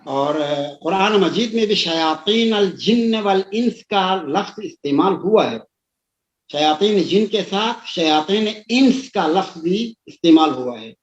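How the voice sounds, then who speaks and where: A man's voice: high voice, lively intonation. A middle-aged male religious scholar speaks as a guest on a talk show. He begins with Arabic invocations, then explains emphatically and stresses each key point. His voice sounds roomy and somewhat dull.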